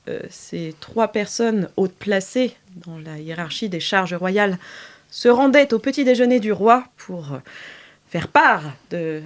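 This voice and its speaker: A woman narrating as game master of an improvised tabletop game, hesitant and full of filler sounds. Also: medium pitch. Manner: hesitant, many filler sounds, laughs often.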